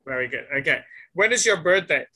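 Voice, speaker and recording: Bright-voiced, encouraging male English tutor. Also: fairly high pitch, expressive, fairly quick, breathy edge. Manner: patient, encouraging, repeats and corrects answers. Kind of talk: one-on-one online conversation lesson.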